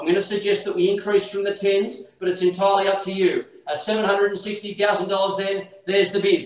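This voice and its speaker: Audible room echo surrounds a high-pitched man speaking at a very fast pace. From Australia. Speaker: auctioneer. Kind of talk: fast auction bidding call. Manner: fast, rhythmic, persuasive. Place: office. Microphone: camera far.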